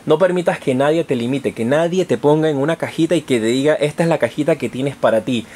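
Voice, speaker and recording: This channel host talks fast in a somewhat high, slightly mellow voice as he gives an informal tarot horoscope. He speaks straight to his viewers with affection and encouragement.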